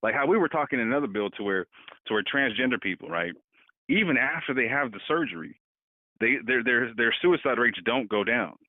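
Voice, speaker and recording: Male co-host, middle-pitched, animated talk-show arguer, dry phone-line sound. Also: brisk, dry recording. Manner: animated, repeats words while building a point. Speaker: podcast co-host. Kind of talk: casual political discussion.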